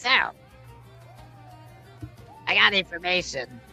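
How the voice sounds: Clear music sits in the background behind a put-on character voice. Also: man, high pitch for a man.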